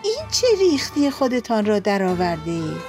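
A woman's voice: medium pitch, huge pitch swings, over music. A woman voicing a big, wise white goose who speaks in an earnest and persuasive way.

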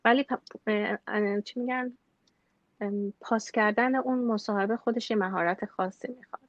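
A woman from Iran with an Iranian accent, answering interview questions conversationally in a halting way, mixing in English loanwords. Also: medium pitch, steady tone, dry recording, muffled recording. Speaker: interview guest, bank employee.

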